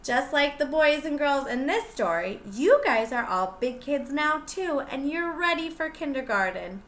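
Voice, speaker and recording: A young woman pre-K teacher reading a picture book aloud to small children, slow and gentle, stopping to ask them questions. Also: high voice, sing-song, echoey room. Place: classroom.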